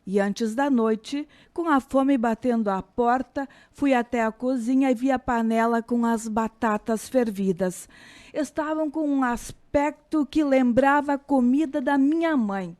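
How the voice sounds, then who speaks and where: Reflective Brazilian woman commentator, higher voice. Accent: Brazilian Portuguese. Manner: calm, reflective, slows down on key phrases. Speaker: radio commentator, psychologist. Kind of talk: scripted radio commentary.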